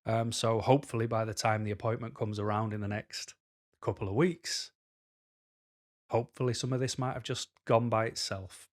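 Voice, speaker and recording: A man speaks to camera in a casual, rambling way, his voice sitting a little low and slightly hoarse. He is frank and unpolished, pausing often with ums as he talks. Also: steady tone. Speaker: vlogger. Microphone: camera mic.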